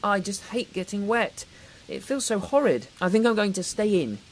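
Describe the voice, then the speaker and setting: A woman's voice: mid-range voice, big pitch swings, normal speed, a little hiss or hum, natural voice, poor audio. A woman voicing an earnest, brave child superhero in an exclamatory way for a children's toy story. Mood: eager. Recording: music behind the voice.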